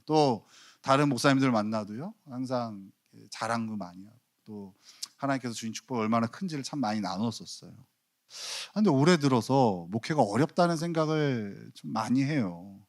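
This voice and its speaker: A man's voice: medium pitch, animated, fairly quick. A man in his forties preaching a Sunday sermon as pastor, telling stories with acted quotes and self-mocking humor. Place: church sanctuary.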